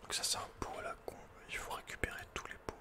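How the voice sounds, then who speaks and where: Male, whispered, breathy and soft, ASMR gaming host, casual murmured commentary, slangy asides. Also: fast talker.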